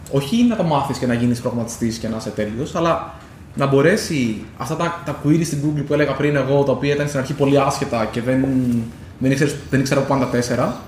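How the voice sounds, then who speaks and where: A man co-hosting a podcast, chatting casually and circling back with fillers and restarts. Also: fairly high pitch. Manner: rambling, many fillers and restarts. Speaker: podcast co-host. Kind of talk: casual chat. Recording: echoey room with faint noise.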